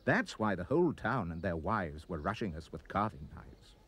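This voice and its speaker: A man reading a rhyming children's poem aloud as an expressive storyteller. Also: normal speed, husky. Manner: expressive storyteller, swooping pitch. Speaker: reader.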